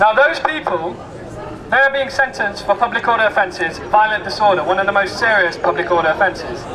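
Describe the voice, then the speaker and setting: Projecting a raised voice at a very fast pace, a man speaks at a high pitch with lively intonation and very even loudness over noticeable background noise. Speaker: protest speaker or activist. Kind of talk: protest speech, rally address with angry political argument. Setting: outdoors rally outside court. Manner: impassioned, forceful, sarcastic, rhetorical, repeating phrases for emphasis. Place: street. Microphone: camera far.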